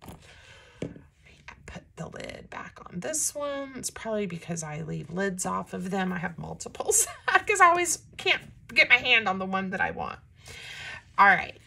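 A woman talking through a paper craft tutorial in a casual, chatty way, her voice a bit raspy from a coming cold. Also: medium pitch, big pitch swings, moderate pace, pushed and bright, slight background noise. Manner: chatty and self-deprecating, talks while working. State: slightly raspy from a starting cold. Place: crafting desk indoors, filmed from above.

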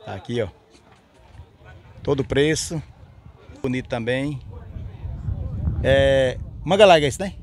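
Speaking slowly with frequent pauses, this Northeastern Brazilian man has an animated mid-range voice with a little hiss or hum. He hosts a casual vlog at an outdoor dirt-lot livestock market with trucks, commenting, interviewing, addressing people familiarly and repeating short stock catchphrases.

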